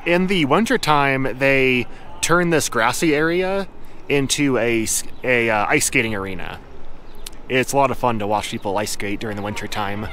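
A man casually narrating his travel vlog, cooking at his truck camper and then walking around town, in a relaxed, chatty way that often corrects itself mid-sentence. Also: medium pitch, normal speed, a little hiss or hum. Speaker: travel vlogger.

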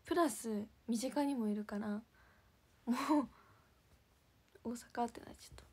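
A woman's voice: fairly high pitch, unhurried, warm tone, husky. A young woman chatting casually to viewers on a livestream, giggling and sometimes dropping to a whisper. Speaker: idol livestream host.

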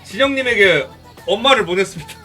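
A man's voice: high-pitched, expressive, moderate pace, pushed and bright, soft background music. A man live-streaming, chatting casually about a game in a teasing, joking manner with crude slang. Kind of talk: casual chat while showing a game.

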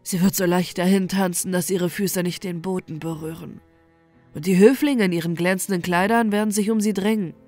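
A woman voicing a sorrowful, lovesick young male student in a heartfelt, lamenting way, over faint soft music. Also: lowish voice, fairly even intonation, a little fast, lightly acted. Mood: lovelorn.

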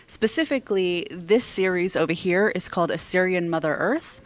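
A woman's voice: lowish voice, normal speed. A woman in her thirties with an American accent, giving articulate, explanatory interview answers as a guest artist. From California, United States. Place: large indoor exhibition room. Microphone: handheld microphone.

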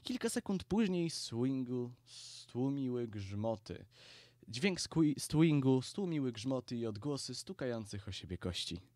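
A man's voice: mid-range voice, very animated, unhurried, darkish tone, no echo, studio quality. A man narrating a comic internet story in a casual, crude tone.

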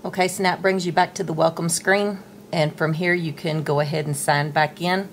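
A middle-aged woman talks through a hands-on tablet tutorial in a patient, chatty way. Her voice sits low, and a faint hiss runs under the indoor recording. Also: fairly even intonation, a little fast. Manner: patient, chatty, talks while handling the device. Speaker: tech tutorial presenter. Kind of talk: casual step-by-step tutorial. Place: indoors at a table, dim room.

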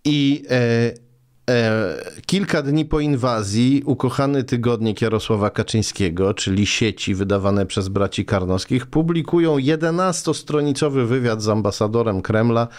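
A man's voice: medium pitch, moderate pace. A man in his forties, a guest in a political interview in a small studio, speaking with many hesitations and sarcastic remarks. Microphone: boom mic on desk arm.

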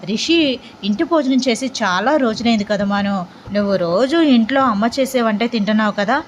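A woman voicing a doting middle-aged aunt, bright and high. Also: moderate pace, slight background noise, natural voice. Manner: affectionate, cheerful.

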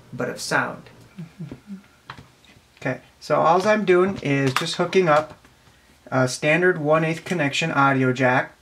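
Young guy in his 20s doing a casual tech demo, kinda halting, some noise and clicking behind him. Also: a little high, fairly bright tone. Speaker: presenter of a tech demonstration. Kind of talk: casual explanatory hands-on demonstration. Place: small cluttered office indoors. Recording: clear background noise, clicks of handling.

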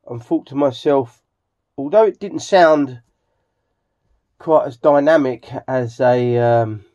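A middle-aged English-accented man hosts a hobby vlog, narrating in a casual, rambling, halting way with lots of hesitation and frequent throat clearing. His voice is medium-pitched and dark, recorded at home with slightly dull sound.

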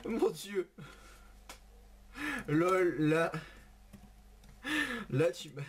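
A man's voice: a little high, very slow, slight background noise. A man hosting a gaming video in casual commentary, laughing often and exclaiming while he types to a chatbot at his computer. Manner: giggly, exclaiming, talking to a chatbot.

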